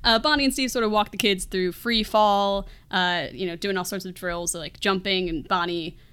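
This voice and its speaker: A woman's voice: mid-range voice, normal speed, a bit bright, clear, resonant tone. A woman hosting a film podcast, chatting casually through a movie scene by scene and often laughing as she talks. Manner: giggly, laughs often while talking.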